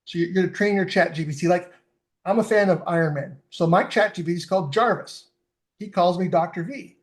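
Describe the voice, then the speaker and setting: On a casual podcast, a middle-aged guest with fitness technology expertise explains tools step by step, clearly enthusiastic. He has a high-pitched voice and a fairly quick pace.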